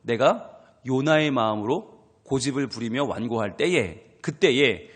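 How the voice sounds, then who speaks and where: Animated male pastor in a reverberant church. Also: medium pitch, measured pace, breathy edge. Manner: lively and animated, mimics scolding voices. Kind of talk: sermon at a dawn prayer service. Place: church sanctuary. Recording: long hall reverb.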